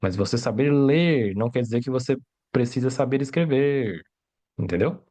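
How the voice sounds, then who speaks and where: An animated man with a mellow, medium-pitched voice speaks at a moderate pace as he teaches Mandarin in a livestreamed lesson. Portuguese, his second language, carries his step-by-step explanations, which are full of rhetorical questions and frequent check-ins of "né?" and "tá?".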